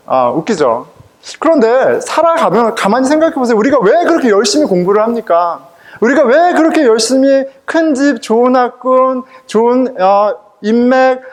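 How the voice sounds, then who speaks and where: A male pastor preaches a sermon full of personal anecdotes in a high, lively voice that swings up and down. Conversational and humorous, he laughs while telling his stories and keeps putting questions to the congregation.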